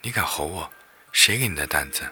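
A man's voice: rumbling low, expressive, a little fast, sharp tone, slightly rough, soft background music, exaggerated voice. A man voicing an arrogant, impatient young man who bosses people around with rude, mocking talk. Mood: angry.

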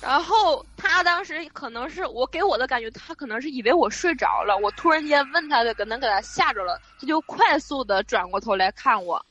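A woman casually telling a true eerie story over a remote call, in a vivid, animated way with frequent restarts. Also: high-pitched, fairly quick, hardly any pauses, highs cut off, a little hiss or hum. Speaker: guest storyteller.

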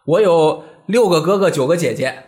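A man's voice: fairly high pitch, normal speed. A man in his thirties from Hebei, China, co-hosting a casual chat podcast and telling stories with acted-out voices. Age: 30s. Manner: animated storyteller, acts out quoted voices. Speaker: podcast co-host.

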